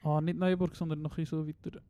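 Fast-talking Swiss German man, rambling. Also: on the high side, little pitch movement, warm tone, no echo, studio quality. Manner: rambling storyteller, laughs often, trails off mid-sentence. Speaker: podcast co-host. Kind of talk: casual chat.

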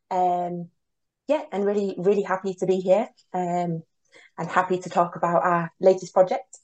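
A woman's voice: fairly low pitch, little pitch movement, unhurried, darkish tone, dull audio. A woman with a Northern English accent, introducing herself as a guest on a casual podcast. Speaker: guest, legal translator.

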